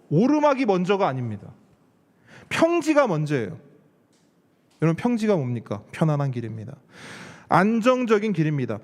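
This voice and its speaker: A man's voice: fairly high pitch, a little mellow. A man preaching a sermon as a pastor, putting rhetorical questions to his congregation and repeating key words for emphasis. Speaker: pastor preaching at a church service. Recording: reverberant hall sound.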